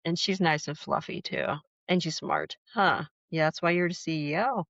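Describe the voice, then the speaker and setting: A woman's voice: fairly low pitch, moderate pace, a bit bright, dry recording. A woman hosting a podcast, casually recapping a soap opera in a frank, chatty way with plenty of fillers. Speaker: podcast host. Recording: dull lo-fi sound.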